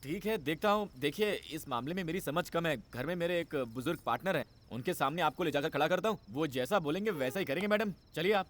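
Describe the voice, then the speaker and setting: An actor playing a short-tempered young male hotel owner who scolds and shouts orders, in a dubbed film. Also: fairly high pitch, expressive, quick pace, hardly any pauses. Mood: annoyed. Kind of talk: Hindi film dub acting. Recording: film dub with music behind.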